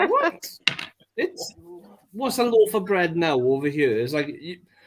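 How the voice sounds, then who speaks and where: A high-voiced man with an English accent, very wide pitch swings and a fairly slow pace. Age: 30s. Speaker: live stream chat participant. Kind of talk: casual chat.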